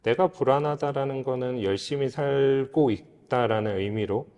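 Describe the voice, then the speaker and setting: Speaking at normal speed with a medium pitch and darkish tone, a man explains philosophy as an interview's guest expert. He's earnest and reflective, sounding like he's giving a lecture, in a reverberant hall-like room.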